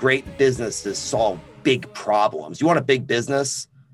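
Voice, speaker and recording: With music in the background, a man with an American accent speaks at a moderate pace in an animated tone with lively intonation. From Texas. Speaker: real estate entrepreneur. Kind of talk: interview.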